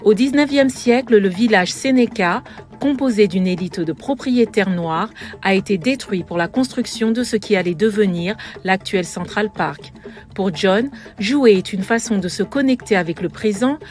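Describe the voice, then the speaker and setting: A woman reporter reading a scripted news feature narration in a measured, lyrical way. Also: medium pitch, darkish tone. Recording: voice-over with music bed.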